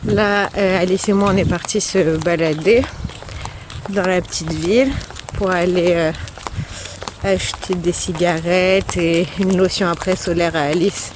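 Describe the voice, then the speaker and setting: A woman's voice: lowish voice, fairly even intonation, measured pace. A young woman from France chatting casually to her camera for a travel vlog, rambling with lots of hesitations. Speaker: vlogger. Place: outdoors in a green village on a trip. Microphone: handheld camera she films with. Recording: outdoor camera audio with clear background noise.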